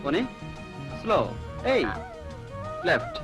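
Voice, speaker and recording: A man's voice: high voice, wildly swooping pitch, takes it slowly, heavily acted. An actor playing a playful young man who teases his sweetheart in a film scene. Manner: teasing, playful. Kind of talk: 1980s Telugu film dialogue. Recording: film soundtrack with loud music.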